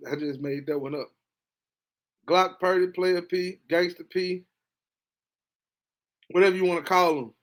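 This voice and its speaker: A man hosting a podcast, reacting casually to a football game, animated and talkative, dropping to low mutters and jumping to excited high bursts. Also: unhurried, pauses often. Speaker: podcast host. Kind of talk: casual sports reaction monologue.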